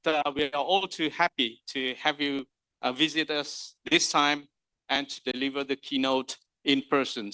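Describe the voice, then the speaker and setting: A man opens a conference session with a polite, formal introduction, hesitating on fillers as he goes. His voice is bright and crisp, slightly high for a man. The sound is dry and close. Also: no echo, rough recording. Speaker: conference host introducing the keynote speaker.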